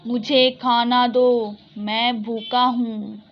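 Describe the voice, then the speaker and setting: A woman's voice: fairly high pitch, level tone, very slow, muffled recording, soft background music. A woman teacher voicing a hungry, grumpy male lion in a children's story, who turns food away and growls his demands.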